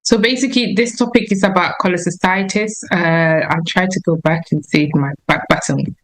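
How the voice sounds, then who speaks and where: A woman speaks earnestly as a guest nurse practitioner, explaining a health topic in a relaxed, conversational way. Her voice sits a little low and she often restarts her phrases. The sound is that of a video call. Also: normal speed, low-quality recording. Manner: earnest, explanatory, self-correcting. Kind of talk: informal health talk with slides.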